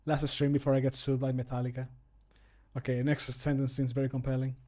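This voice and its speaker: A man's voice: mid-range voice, level tone, fairly quick, darkish tone. A man in his thirties chatting casually on a livestream, rambling and self-deprecating, with casual swearing. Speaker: streamer and game modder. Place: small room at home, indoors.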